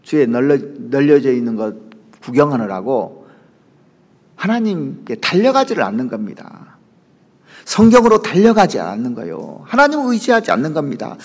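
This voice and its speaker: Lively Korean pastor preaching in a hall. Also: male voice, moderate pace. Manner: lively preaching, pitch leaps and drops, asides to the congregation. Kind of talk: sermon. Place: church sanctuary. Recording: church hall reverb.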